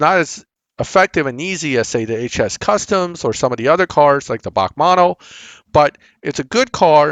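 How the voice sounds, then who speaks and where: In a normal speaking voice, a man talks at a moderate pace with a fairly high pitch and lively intonation. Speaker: gaming youtuber. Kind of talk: game tutorial.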